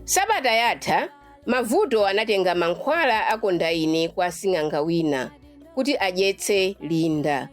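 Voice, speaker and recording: A woman's voice: medium pitch, lively intonation, normal speed. A woman reading scripted narration for a radio drama series. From Malawi. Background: music.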